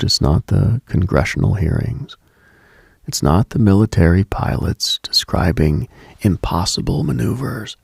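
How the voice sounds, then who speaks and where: Male late-night radio host, husky and slow, solemn dramatic monologue with expressive swings in pitch, very dry close sound. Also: dry recording.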